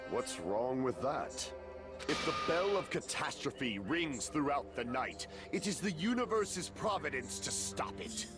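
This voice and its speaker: Pompous, ominous dark-overlord youth over loud music. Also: male voice, medium pitch, big pitch swings. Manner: pompous, slow, ominous delivery. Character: grandiose, theatrical young man, self-styled dark overlord. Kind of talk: video game voice acting. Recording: loud game music behind the voice.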